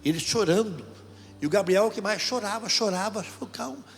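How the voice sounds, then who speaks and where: A man's voice: sits high, brisk. Brazilian man preaching in a reverberant hall. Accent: Brazilian Portuguese. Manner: conversational storytelling, speaks straight to the audience. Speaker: deacon preacher. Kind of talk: sermon. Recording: reverberant hall with faint music.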